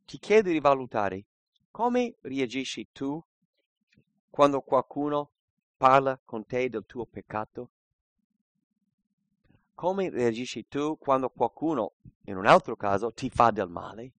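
A man preaching a sermon and reading scripture aloud, earnest, moving between quiet reflection and emphatic points. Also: medium pitch, lively intonation, takes it slowly, long pauses, dry recording.

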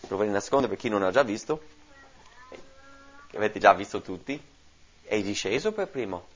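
Animated man teaching the Bible. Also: mid-range voice, breathy edge. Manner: animated, explaining and asking the listeners questions. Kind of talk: teaching sermon. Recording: dull lo-fi recording.

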